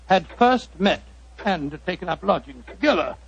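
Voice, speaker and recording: High gravelly old doctor, chummy and rambling, dull old radio sound. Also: male voice, expressive, normal speed, fairly bright tone, slight background noise, exaggerated voice. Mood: genial. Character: elderly jovial English doctor, storyteller. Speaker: narrator of the tale. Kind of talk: 1940s radio acting. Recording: dull 1940s radio broadcast.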